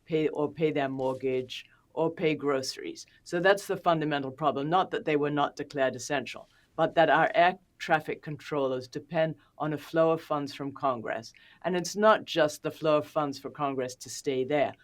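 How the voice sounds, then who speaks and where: Low-voiced woman policy expert, methodical. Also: normal speed, few pauses. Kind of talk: explanatory political interview.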